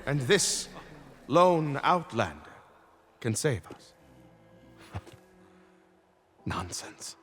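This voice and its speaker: An actor playing a haughty, scornful tribal traditionalist in a video game, with pompous, dismissive, measured speech. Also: male voice, medium pitch, big pitch swings, a bit bright, soft background music, heavily acted. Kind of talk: theatrical video game acting.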